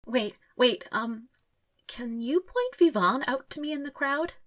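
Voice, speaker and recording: Hopeful young romantic, eager yet hesitant, bright forward tone, audio drama. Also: female voice, sits high, animated, a little slow, heavily acted.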